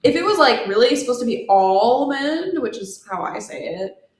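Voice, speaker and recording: High-voiced young woman, laughing, echoey. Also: very animated, fairly quick. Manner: laughing, offhand, trails off. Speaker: podcast co-host. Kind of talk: casual chat. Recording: echoey room, no proper mic.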